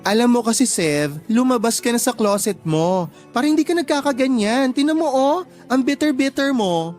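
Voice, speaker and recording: An actor playing a sassy, lovestruck young gay person in a Tagalog radio drama, with campy, expressive delivery. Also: male voice, very high voice, normal speed. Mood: sassy, teasing. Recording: music bed behind the voice.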